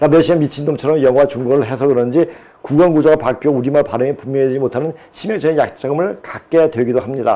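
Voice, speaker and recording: A dark, mellow voice rushes at a very fast pace with hardly any pauses, very even loudness and ordinary pitch variation. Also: man, fairly high pitch for a man. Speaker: lecturer on China and geopolitics. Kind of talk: lecture-style talk show. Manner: slightly slurred speech.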